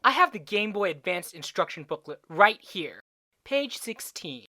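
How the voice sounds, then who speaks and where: A woman's voice: mid-range voice, big pitch swings, a little slow, very noisy. A woman in an English game fan dub playing an earnest, assertive young male defense attorney with a pointed, dramatic courtroom delivery. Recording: amateur dub under loud music.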